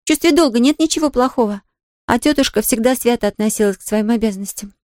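An eager, earnest little orphan girl, as a woman narrator puts her on, with a voice lifted well above the reader's own low tone. Her words come out bright and emphatic in a dry, close audiobook recording. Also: fast talker, no echo, natural voice. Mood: earnest, puzzled. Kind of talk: audiobook character reading.

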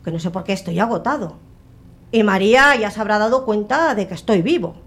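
A woman's voice: medium pitch, lively intonation, fairly quick, fairly bright tone. A woman voicing the ghost of a young husband who pleads desperately to be heard. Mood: relieved.

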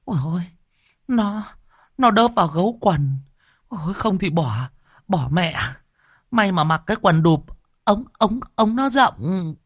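A man narrator voicing a panicky old village grandmother who shrieks and stammers in a high voice. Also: expressive, unhurried, pauses often, slightly rough, dry recording, clean studio sound. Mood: relieved chatter.

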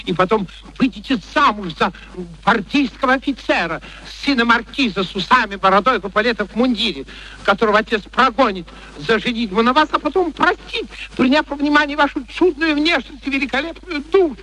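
An actor playing an excitable, imperious professor who cajoles and commands theatrically in a vintage radio play. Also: male voice, extremely high pitch, brisk, rough recording. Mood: mock-grand. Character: domineering, excitable, eccentric male professor. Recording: old radio recording with faint noise.

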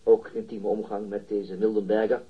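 An actor in a radio drama playing a blunt, persistent police interrogator with a brusque, formal way of questioning. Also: male voice, fairly low pitch, little pitch movement, moderate pace, breathy edge. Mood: insistent. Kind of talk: acted radio drama dialogue. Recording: dull, muffled lo-fi radio recording.

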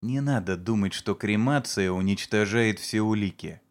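A man voicing a vengeful man who sneers at and shouts accusations against his brother-in-law. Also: on the low side, moderate pace, natural voice. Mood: sneering accusation.

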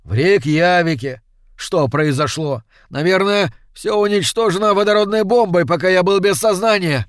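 Guy doing a scared lost soldier voice, higher, louder, all worked up. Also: expressive, normal speed, no room sound, clean studio sound. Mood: bewildered. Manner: agitated, pleading, confused. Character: frightened lost modern male soldier.

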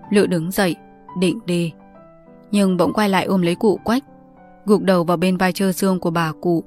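A woman narrating an audiobook story in a measured, even way. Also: on the low side.

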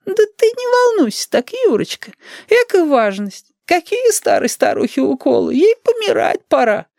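A man reading a story and voicing a nosy, grumbling old grandmother in a high, drawling, sing-song voice. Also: very animated, normal speed, gravelly, darkish tone, no room sound, studio quality, exaggerated voice. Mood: querulous.

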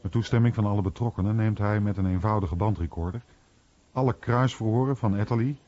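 A man's voice: fairly low pitch, a little fast, mellow. A man reading scripted narration for a radio documentary. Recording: muffled radio recording.

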